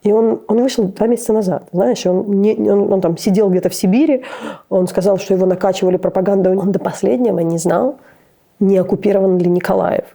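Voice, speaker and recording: A woman's voice: medium pitch, fairly quick, gravelly, warm tone. A woman telling a story in conversation, searching for words and restarting her sentences. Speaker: interview guest.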